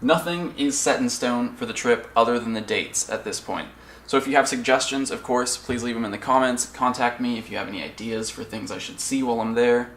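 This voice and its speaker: A man's voice: medium pitch, fairly quick, a bit bright. A man hosting his own vlog, talking casually and rambling to the camera with self-aware asides. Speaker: vlogger and channel host. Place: in stores and a car, noisy surroundings. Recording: noisy background with ambience.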